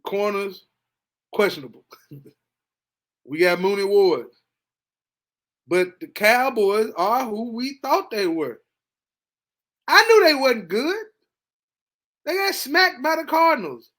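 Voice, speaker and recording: A man hosting a podcast, reacting casually to a football game, animated and talkative, dropping to low mutters and jumping to excited high bursts. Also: takes it slowly, pauses often. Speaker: podcast host. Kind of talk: casual sports reaction monologue.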